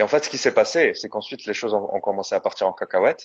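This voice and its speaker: A man talks at a fairly quick pace. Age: 30s. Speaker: podcast co-host. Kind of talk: casual chat.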